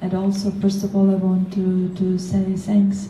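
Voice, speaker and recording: The speech comes at a fairly slow pace. Audible room echo surrounds it. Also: woman. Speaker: literary center director. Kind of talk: public talk at literary event. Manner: halting.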